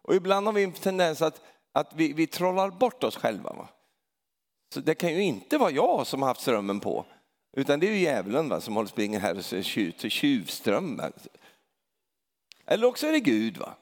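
A middle-aged man preaching a sermon in a chatty storytelling way, often tagging a questioning "va?" onto his lines and building to loud, emphatic peaks. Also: sing-song. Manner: hesitant restarts, grows loud and emphatic at high points. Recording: long reverb of a large hall.

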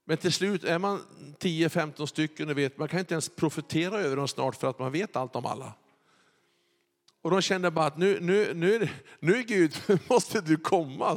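High gravelly preacher man in echoey hall. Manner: animated, building to loud excited peaks. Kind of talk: sermon storytelling. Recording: echoey hall with faint music. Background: faint music.

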